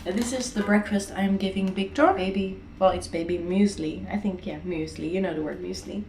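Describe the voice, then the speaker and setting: Dutch-accented woman, thirties, hoarse sore-throat rasp, easygoing chatty vlogger, roomy apartment echo with a faint hum. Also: mid-range voice, brisk, darkish tone. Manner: chatty, with many fillers and restarts. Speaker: vlogger, mom. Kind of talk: casual home vlog. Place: apartment kitchen.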